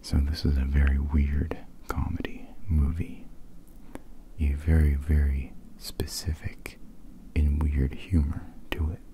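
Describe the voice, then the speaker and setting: Man, soft ASMR whisper, very deep, slow and unhurried, faint hiss behind. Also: little pitch movement. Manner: hushed, rambling, with fillers. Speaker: ASMR video host. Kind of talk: whispered ASMR movie quote game.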